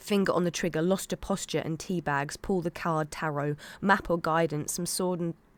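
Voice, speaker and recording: On a very clean recording with a silent background, a woman with a British accent speaks at a fairly low pitch with fairly even intonation. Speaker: streamer and poet. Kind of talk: poetry reading; casual live stream chat. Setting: home studio, live stream. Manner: halting, restarts lines.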